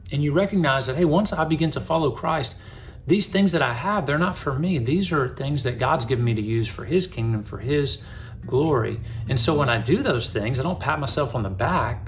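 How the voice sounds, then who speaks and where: Earnest pastor giving a casual devotional. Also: male voice, mid-range voice, a little hiss or hum. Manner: earnest, conversational, many restarts and fillers. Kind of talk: devotional sermon to camera. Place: small home office with bookshelves.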